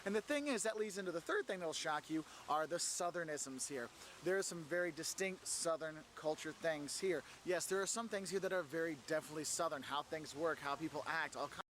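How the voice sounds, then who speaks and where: A man with a high voice explains a point emphatically, addressing the viewer directly. Faint outdoor noise sits behind him, with traffic passing somewhere nearby. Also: a little fast, a bit bright. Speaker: video creator. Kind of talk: explanatory vlog talk.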